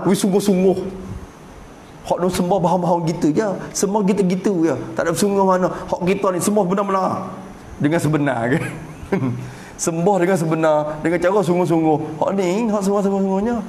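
Man, Patani Malay accent, religious teacher, kitab lesson, patient explaining, rhetorical questions, fairly high voice. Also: brisk, darkish tone, a little hiss or hum, low-quality recording. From Patani, southern Thailand.

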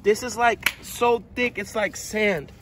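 A man hosts a casual vlog outside among storage units, hyped and teasing as he talks to his viewers. His voice sits fairly high. A faint hum of outdoor noise runs underneath. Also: slow, bright, forceful tone. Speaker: channel host.

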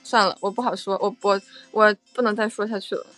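A woman's voice: medium pitch, fairly even intonation, fairly quick, a bit bright, faint music behind. A young woman hosting a casual livestream, chatting with viewers in a playful, teasing way and often repeating her phrases. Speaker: livestream host.

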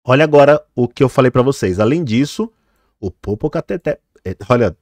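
A man's voice: mid-range voice, lively intonation, fast, a little mellow, no room sound. A man vlogging, casually commenting on footage and talking straight to his viewers with many fillers, sometimes tripping over hard names. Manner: chatty, fillers like "né" and "olha, gente".

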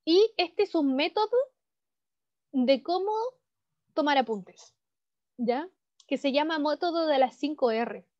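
Chilean woman teacher, high voice, explains patiently over a muffled video call. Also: expressive, takes it slowly, pauses often. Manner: frequent tag questions, explanatory. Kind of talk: online class lecture. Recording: dull lo-fi video call audio.

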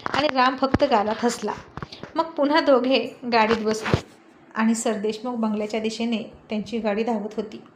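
A woman reads a serialized romantic story aloud. Her voice sits somewhat high. Her delivery is steady and descriptive, the way a storyteller reads an episode. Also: moderate pace, noisy background.

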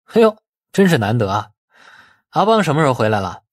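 A man voicing a shrewd, self-possessed young man in an audiobook, measured and dryly sardonic. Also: mid-range voice, big pitch swings, dry recording, studio quality. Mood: mocking.

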